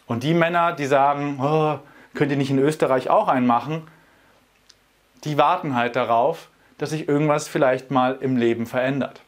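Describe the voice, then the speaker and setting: A man who runs men's workshops, talking straight to camera in an energetic, persuasive, colloquial way. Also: medium pitch, normal speed. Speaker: workshop organizer. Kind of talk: direct-to-camera promotional talk.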